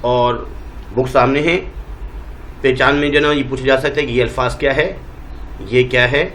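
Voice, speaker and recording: A male teacher with a Pakistani Urdu accent, giving a Quran reading lesson and drawing out each letter name slowly to show how it is said. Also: mid-range voice, fairly even intonation, a bit bright, slight background noise, rough recording. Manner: draws out letter names slowly, modelling pronunciation.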